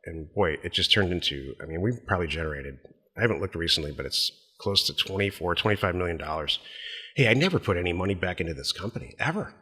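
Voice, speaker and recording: A man's voice: low-pitched, animated, fast talker, bright, forceful tone, slightly rough, in a large hall. A middle-aged American man co-hosting a podcast, chatting casually about business in a blunt, plain-spoken way. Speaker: podcast co-host.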